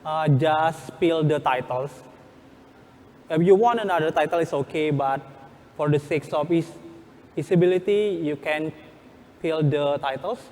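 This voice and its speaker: A man with an Indonesian accent speaks in a fairly high voice, his words ringing in a reverberant hall. He teaches step by step as a workshop presenter, in halting English that circles back and rephrases. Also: darkish tone. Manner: halting, repeats and rephrases in non-native English.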